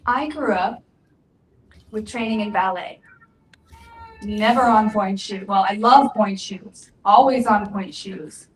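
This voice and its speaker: Woman, sign language interpreter, measured phrasing, roomy echo, soft background hum. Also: mid-range voice. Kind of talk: live voice interpreting on a panel. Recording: roomy, distant, faint ambient noise.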